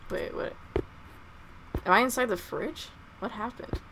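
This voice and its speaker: A woman's voice: on the high side, unhurried. Young woman talking thru a creepy game on a headset, jittery, lots of nervous laughs, bit of noise behind. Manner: nervous, giggly, full of questions. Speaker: gaming streamer. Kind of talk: horror game let's play commentary.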